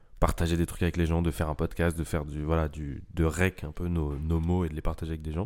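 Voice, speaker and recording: In a very clean recording with a silent background, a man with a very deep, low pitch talks at a fairly quick pace in a monotone, flat intonation. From France, Paris. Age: 20s. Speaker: podcast co-host. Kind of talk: casual chat. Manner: loud.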